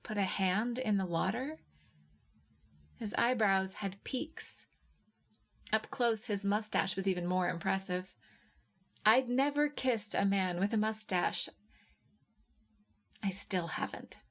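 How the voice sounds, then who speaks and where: Female narrator for first-person literary fiction; slow, deliberate, expressive read. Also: mid-range voice. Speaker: short story reader.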